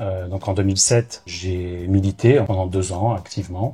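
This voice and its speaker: The voice is somewhat breathy with a dark, mellow tone. Intonation stays fairly even at a fairly slow pace. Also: man. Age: 30s. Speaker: vegan digital nomad. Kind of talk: casual interview. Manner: hesitant, many fillers.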